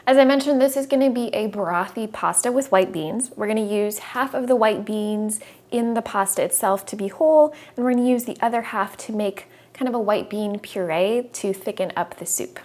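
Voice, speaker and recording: In her home kitchen, a young woman in her twenties hosts a casual cooking video, chatty and upbeat as she walks through each step. Her mid-range voice has a darkish tone at normal speed, picked up by a small lapel mic.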